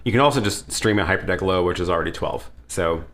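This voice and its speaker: A man's voice: deep voice, quick pace, a bit bright. A man hosting a live question-and-answer stream from a home studio, talking casually and thinking aloud with frequent restarts. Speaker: livestream host answering viewer questions. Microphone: headset or desk mic with headphones.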